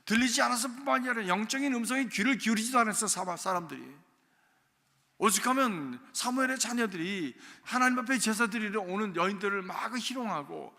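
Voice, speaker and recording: A male pastor preaches a storytelling sermon in a high, bright voice. He moves from loud emphasis to soft, near-whispered asides, and a long reverb from the church sanctuary follows every phrase. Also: animated, a little fast. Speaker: senior pastor.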